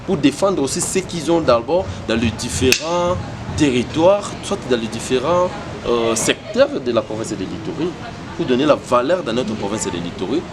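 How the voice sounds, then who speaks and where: A man's voice: medium pitch, lively intonation, moderate pace, noisy background. A young Congolese man, a pageant organizer, answering interview questions with many fillers and restarts. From Democratic Republic of the Congo. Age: young adult.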